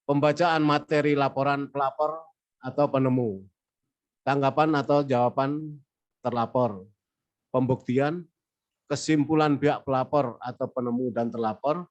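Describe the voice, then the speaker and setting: Guy with a cold reading out legal procedure slides, muffled lo-fi sound. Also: medium pitch. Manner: reads formal legal text, says next slide between points. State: has a cold. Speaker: presenter at a weekly election supervisory discussion.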